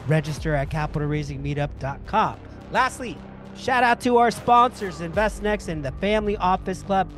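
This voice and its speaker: A male podcast host with a notably high voice. He keeps things upbeat and energetic, welcoming his guest and steering the conversation. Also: moderate pace, soft background music. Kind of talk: podcast intro and interview.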